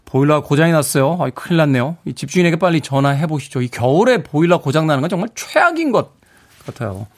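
A man's voice: a little high, sing-song, fast. A man hosting a morning radio show in a studio, chatty and chuckling as he reads out listener texts. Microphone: studio microphone.

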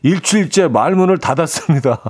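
느긋하게 사연 읽는 남자 라디오 진행자. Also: male voice, on the high side, brisk, slightly rough. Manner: relaxed, reads listener messages, frequent short agreements. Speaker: radio co-host. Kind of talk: casual radio chat.

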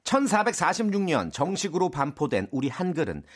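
A man's voice: a little high, sing-song, brisk. A man co-hosting a radio show, bantering and reading quiz questions with a teasing, sing-song delivery. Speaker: co-host.

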